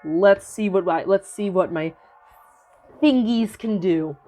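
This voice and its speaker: A woman's voice: medium pitch, slow, warm tone, faint music behind. A young woman giving casual, giggly commentary while reading AI-written fanfiction aloud, swearing and restarting sentences often. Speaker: video creator.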